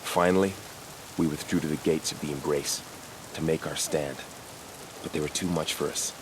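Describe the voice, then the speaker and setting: A man playing an earnest, battle-weary young tribal warrior in a video game, solemn and deliberate. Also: extremely low pitch, steady tone, background noise. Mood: somber. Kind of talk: video game cutscene acting.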